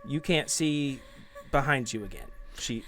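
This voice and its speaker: A man's voice: medium pitch, unhurried, fairly bright tone, soft background music. A man narrating a tabletop game as game master, improvising in a casual, hesitant way.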